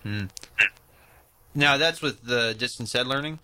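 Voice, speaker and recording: A man's voice: mid-range voice, a little slow, sharp tone, clear, resonant tone. A man hosting a radio show, chatting casually with his guest and rephrasing his questions as he goes. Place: radio studio.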